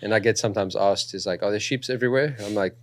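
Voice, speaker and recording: Young south african guy, really low voice, chats loose with lots of um and uh. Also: fast talker, no echo. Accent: South African with New Zealand influence. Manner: relaxed storytelling with frequent fillers. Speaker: guest. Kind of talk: casual podcast interview.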